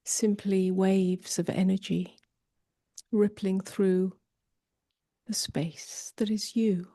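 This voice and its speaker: A woman meditation teacher leading a guided meditation softly and gently, often drifting toward a whisper, with long pauses. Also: mid-range voice, fairly even intonation, no room sound, studio quality. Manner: soft, breathy delivery drifting toward a whisper.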